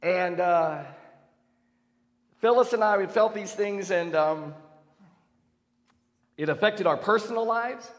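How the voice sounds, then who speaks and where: A male pastor preaching in a loose, conversational way, with self-deprecating asides. His voice sits high for a man. It rings out with a long reverb in a church sanctuary. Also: slow, long pauses. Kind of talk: sermon.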